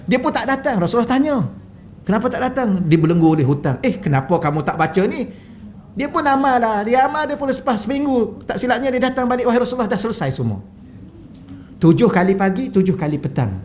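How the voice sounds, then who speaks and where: A man's voice: sits high, a little mellow, a little hiss or hum. A man with a Malaysian Malay accent, a religious teacher giving a chatty, humorous mosque lecture full of anecdotes, on a wireless mic in a mosque hall. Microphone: wireless microphone. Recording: slightly dull lo-fi sound.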